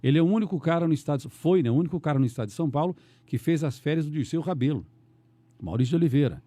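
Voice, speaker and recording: A middle-aged Brazilian man, a radio announcer, chatting on a podcast in a rambling, animated way with many restarts. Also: fairly high pitch, racing, no echo. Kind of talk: casual podcast conversation.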